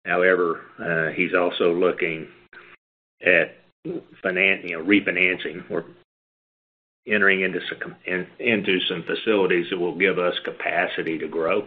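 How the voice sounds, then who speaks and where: Man, company executive, deep voice, little pitch movement, measured and hesitant delivery, telephone conference line. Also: little pitch movement, narrow, tinny audio. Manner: measured, halting, hedging phrasing. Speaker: company executive answering analyst questions. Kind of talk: unscripted earnings call answers. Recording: band-limited phone conference line.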